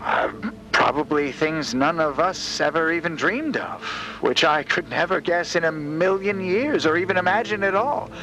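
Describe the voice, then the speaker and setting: High-pitched, flustered, stammering explorer. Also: male voice, normal speed, slight background noise, low-quality recording. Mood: awed, hesitant. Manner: stammering, rambling, excitable. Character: flustered, eager, deferential male space explorer. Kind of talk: fiction podcast character acting.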